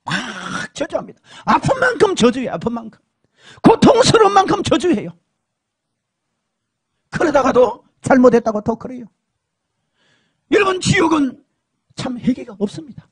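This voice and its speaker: A man preaching a dramatic testimony, swinging between shouting and hushed speech. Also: very high voice, very animated, moderate pace, long pauses, slightly rough. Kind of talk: emotional sermon testimony.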